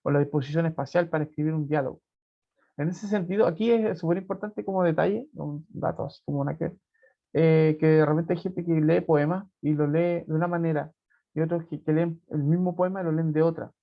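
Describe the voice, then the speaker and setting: A man's voice: a little high, fairly even intonation, a little fast, vocal fry. A man teaching an online class, explaining step by step and often checking in with his students. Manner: explanatory, constantly checks in with "¿cierto?". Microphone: computer mic on a video call. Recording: dull lo-fi video call audio.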